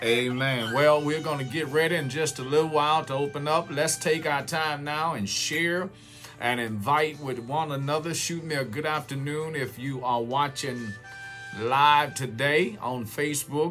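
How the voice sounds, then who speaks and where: A man speaks at a fairly slow pace with ordinary pitch variation. Clear music plays in the background. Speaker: pastor. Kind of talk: live-stream welcome and announcements. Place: office. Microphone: webcam.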